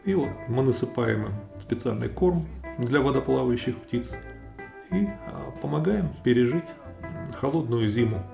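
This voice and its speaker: A man giving a calm, explanatory nature commentary. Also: medium pitch, normal speed, creaky. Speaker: narrator of a nature video. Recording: roomy echo, faint music behind.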